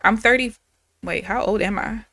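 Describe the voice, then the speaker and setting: A woman's voice: medium pitch, moderate pace, pushed and bright, no echo. A woman in her thirties, a day trader chatting candidly and casually with viewers on a live stream. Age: 30s.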